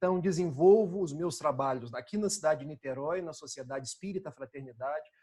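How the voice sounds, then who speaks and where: The tone is dark and mellow, with ordinary pitch variation. Delivery is fairly quick, with hardly any pauses. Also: man, fairly high pitch for a man. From northern Rio de Janeiro state, Brazil. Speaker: spiritist lecturer. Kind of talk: religious study discussion.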